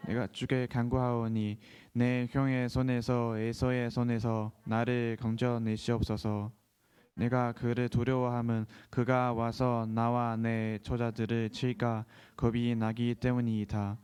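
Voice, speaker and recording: Clear-voiced man reading scripture evenly. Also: mid-range voice, a little slow. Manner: steady, even reading. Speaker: scripture reader.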